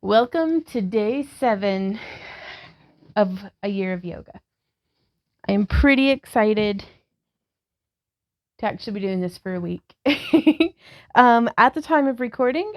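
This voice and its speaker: A woman in her thirties leading a guided yoga session as a vlogger, cueing each pose calmly and gently. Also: fairly high pitch, a little slow, pauses often. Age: 30s. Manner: calm, gentle cueing with breath prompts. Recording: slightly dull lo-fi sound.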